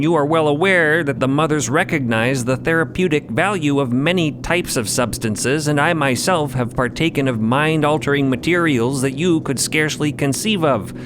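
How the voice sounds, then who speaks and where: A man voicing a formal, veiled supernatural male elder with ornate, measured diction in an audio drama. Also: on the high side, background noise, natural voice. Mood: solemn, courteous.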